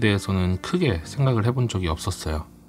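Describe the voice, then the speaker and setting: A man talks with lively intonation at a fairly quick pace while music plays in the background. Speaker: camera reviewer and filmmaker. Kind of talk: product review narration.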